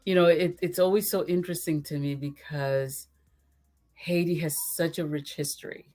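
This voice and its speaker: A woman from the Dominican Republic whose first language is Spanish, talking as a podcast guest in an animated, earnest way and laughing often. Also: low voice, moderate pace, soft background music. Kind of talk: casual interview conversation.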